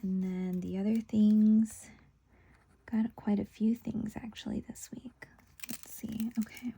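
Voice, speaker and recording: A woman's voice: mid-range voice, steady tone, takes it slowly, gravelly, warm tone, slightly rough. A woman casually talking through what she is doing as a craft video host, trailing off into murmurs as she concentrates. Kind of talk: casual plan-with-me chat, narrating while working.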